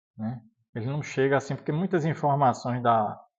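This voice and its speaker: A man speaks at a moderate pace in a medium pitch. His intonation is lively. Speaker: spiritist lecturer. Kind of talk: lecture. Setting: spiritist center with audience and PA system. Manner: soft-spoken.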